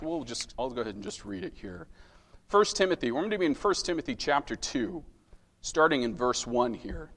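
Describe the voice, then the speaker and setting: A man's voice: on the high side, fairly bright tone. Man preaching in a reverberant hall. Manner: conversational, self-deprecating, with restarts and "all right?" check-ins. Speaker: lay preacher. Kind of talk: sermon.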